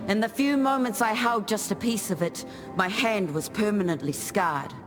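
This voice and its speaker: A woman's voice: mid-range voice, normal speed, over music, natural voice. Stoic tribal warrior woman voiced by an actress. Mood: stoic, solemn. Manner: solemn, matter-of-fact. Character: stoic, resolute tribal warrior, modest about leading. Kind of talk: scripted video game character monologue.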